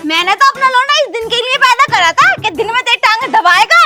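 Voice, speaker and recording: A woman's voice: extremely high pitch, lively intonation, fast talker. A woman playing a bossy, scolding old village mother-in-law, nagging and threatening in a rustic comedy skit. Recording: loud background music.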